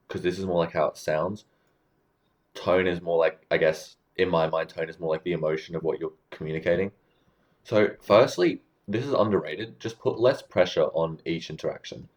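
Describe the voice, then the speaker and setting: Guy w a really deep voice coaching ppl on how to talk, chill explainer vibe, keeps going "right?". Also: moderate pace, muffled recording. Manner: relaxed, explanatory, checks in with "right?". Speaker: communication coach. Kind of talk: casual advice talk to camera.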